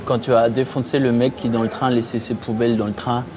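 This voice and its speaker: A male comedian in casual conversation, hesitant and halting, often pausing to find his words. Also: medium pitch, level tone, crowd noise. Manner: hesitant, full of pauses and restarts. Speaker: comedian guest.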